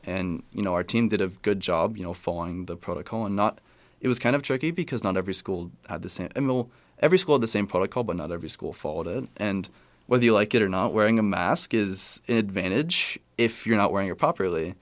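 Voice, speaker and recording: Fast-talking, low-voiced young American man. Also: no echo. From California, USA. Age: young adult, about 20. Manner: conversational, rambling, self-correcting. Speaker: college tennis player, interview guest. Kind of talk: casual podcast interview.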